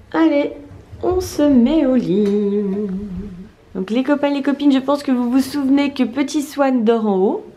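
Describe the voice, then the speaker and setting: A woman with a French accent, a mother narrating a casual family vlog from a hotel, chatty and tender with her children. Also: high voice. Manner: chatty, tender toward children, softens to a hush at bedtime. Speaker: vlog host, mother filming. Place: hotel rooms and game room, indoors.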